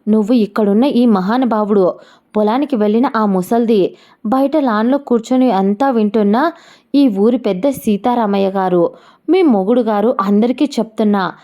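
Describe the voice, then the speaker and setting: A woman voicing a proud, angry young woman who speaks in a sharp, taunting, defiant way. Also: medium pitch, steady tone, moderate pace, lightly acted.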